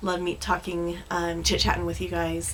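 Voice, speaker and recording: Audible room echo and noticeable background noise fill the recording. The woman talks at a moderate pace. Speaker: flosstube cross-stitch vlogger. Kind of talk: casual vlog chat to viewers.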